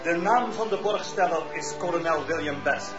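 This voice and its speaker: An actor playing a stern, formal chief magistrate in a radio play. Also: male voice, on the high side, moderate pace, over loud music, natural voice. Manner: formal, commanding. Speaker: judge. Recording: dull, echoey old radio recording.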